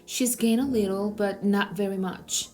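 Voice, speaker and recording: A woman voicing an anxious young mother in a storybook, hushed and pleading for her baby. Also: medium pitch, steady tone, a little slow, soft background music, natural voice, low-quality recording. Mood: quiet, worried.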